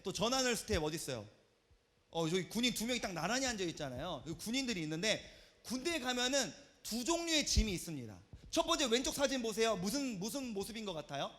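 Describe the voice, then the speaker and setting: Animated high-voiced male youth pastor. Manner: animated storytelling, acts out quoted voices. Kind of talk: lively youth retreat sermon. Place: church hall at a youth retreat.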